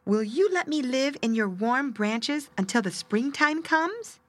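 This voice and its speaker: A woman doing a pleading little bird with a high voice. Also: animated, measured pace, fairly bright tone, exaggerated voice. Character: small injured male bird, pleading and timid.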